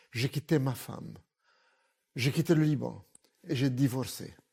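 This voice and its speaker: A man with a dark, mellow tone speaks at a fairly slow pace in a very clean recording with a silent background. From Lebanon. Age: 80s+. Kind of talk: testimony.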